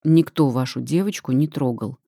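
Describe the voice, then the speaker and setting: A woman reading an audiobook, voicing a calm young man who speaks in a level, composed way. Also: very deep voice, moderate pace, creaky, slightly rough, no echo, studio quality, pitched below the performer's own voice, full character voice. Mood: calm firm.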